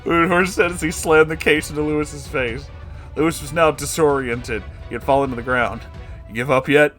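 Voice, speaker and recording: A man's voice: fairly high pitch, moderate pace, fairly bright tone, faint music behind. A man narrating a comedic story in a dramatic, amused reading style. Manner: amused, breaking into laughing asides.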